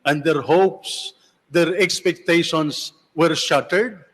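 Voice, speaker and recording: Guy priest preaching really slow and solemn, big cathedral echo on everything. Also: on the high side, slightly rough. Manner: solemn, measured, deliberate phrasing with pauses. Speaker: priest reading the Gospel and preaching. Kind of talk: liturgical reading and homily. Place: large reverberant church. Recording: cathedral-like echo, long hall reverb.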